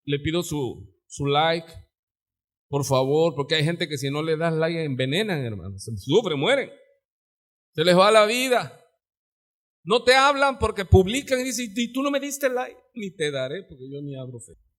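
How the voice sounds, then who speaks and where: A Mexican man preaching a live sermon as pastor in his church, swinging from sudden shouts to quiet asides. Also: a little high, big pitch swings, moderate pace. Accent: Mexican Spanish. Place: church sanctuary.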